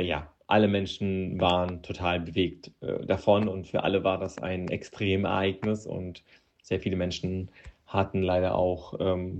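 A man's voice: low voice, a little mellow. A young man whose first language is Russian, giving a hesitant personal account with many filler sounds. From Russian-speaking country. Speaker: interviewee. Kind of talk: personal account answering questions.

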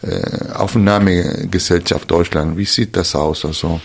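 Low voiced guy hosting an interview, lots of umms and restarts. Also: steady tone, measured pace, slightly rough. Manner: hesitant, searching for words, many fillers and restarts. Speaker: interview host. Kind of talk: reflective interview talk.

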